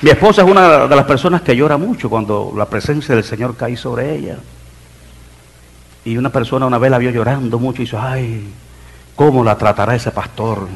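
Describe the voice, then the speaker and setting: A middle-aged man preaching a sermon in church as pastor, building emphasis and dropping into soft asides. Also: medium pitch, fairly quick, vocal fry. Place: church sanctuary.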